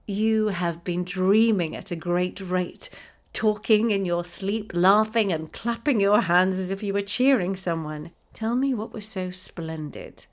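A woman voicing a cheerful, loving mother with a warm, teasing manner in a storybook reading. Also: mid-range voice, a little slow, natural voice. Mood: tender.

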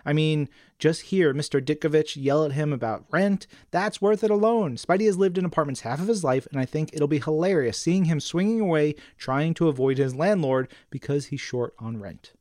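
A man's voice: fairly high pitch, expressive, moderate pace, hardly any pauses, a little mellow, no echo, clean studio sound. A man co-hosting a podcast, reading listener messages and chatting in an enthusiastic, conversational way. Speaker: podcast co-host. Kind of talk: casual chat and reading listener mail.

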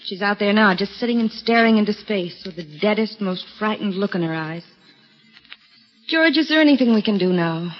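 An actress playing an earnest secretary and sidekick who stammers slightly, in 1940s radio drama style. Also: female voice, medium pitch, moderate pace, faint music behind, close to an everyday voice. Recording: dull lo-fi old radio recording.

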